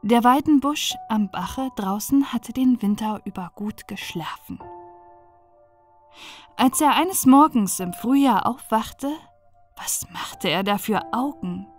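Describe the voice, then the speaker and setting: A woman with a somewhat high voice narrates a scripted bedtime fairy tale. Her delivery is expressive and deliberate, the way an audiobook storyteller reads. Faint music plays behind her.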